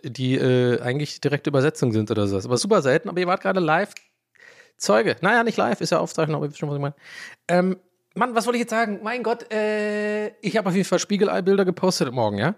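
A man born in Ireland whose first language is English, hosting a casual solo podcast and rambling, losing his thread and laughing at himself. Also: a little high. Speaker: podcast host.

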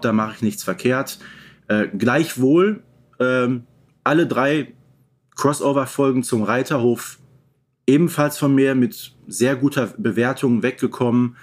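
A man co-hosting a podcast in a casual, conversational style. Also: mid-range voice. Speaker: podcast co-host.

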